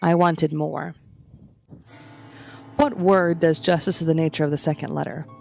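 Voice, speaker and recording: A woman narrating a scripted first-person horror story in a measured, literary storytelling manner. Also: low-pitched, steady tone, creaky, darkish tone. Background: background music.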